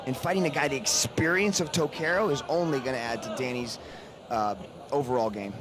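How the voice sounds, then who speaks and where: At ringside in a fight arena, a man serves as the analyst, giving technical, explanatory live commentary on a mixed martial arts bout. His medium-pitched voice runs a little fast, with music in the background and a loud arena crowd behind him.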